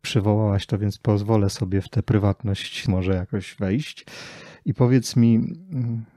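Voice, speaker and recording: A man's voice: fairly low pitch, unhurried, mellow, dry recording, studio quality. A man hosting a conversational interview, putting questions and reflections to his guest. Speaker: podcast host, interviewer.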